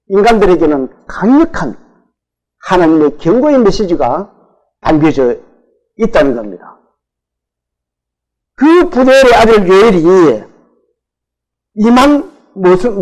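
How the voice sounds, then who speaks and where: A man's voice: sits high, darkish tone, poor audio. A man with a Gyeongsang Korean accent preaching a sermon as pastor. He keeps asking the congregation questions, answers them himself and stretches out the words he stresses.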